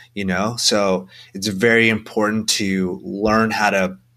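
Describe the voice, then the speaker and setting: Bright and sharp in tone, a man with an American accent keeps his intonation fairly even on a very clean recording with a silent background. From Southern California. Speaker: video creator and agency founder. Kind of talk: interview. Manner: casual, with filler words.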